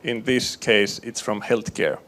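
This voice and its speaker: A man from northern Finland, a hospital innovation manager, giving a measured panel presentation with frequent fillers into a conference microphone. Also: lowish voice, a bit bright. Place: conference room with live panel. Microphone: handheld or table microphone.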